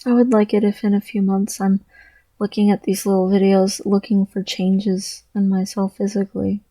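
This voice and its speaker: A trans man talking through his thoughts in a personal vlog, halting and earnest, with a voice he describes as deeper than most girls'. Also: little pitch movement, mellow, dry recording, low-quality recording. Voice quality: low voice with gravelly fry. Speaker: vlogger.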